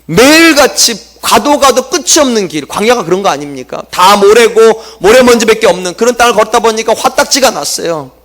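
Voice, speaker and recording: A middle-aged man preaching a Sunday sermon as pastor, lively and humorous, acting out quotes from the people he speaks about. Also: sits high, brisk, few pauses. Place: church sanctuary.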